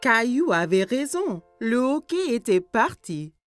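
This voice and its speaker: A woman narrating a children's cartoon story in an expressive, scripted storytelling style. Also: a little high, measured pace, dry recording, soft background music.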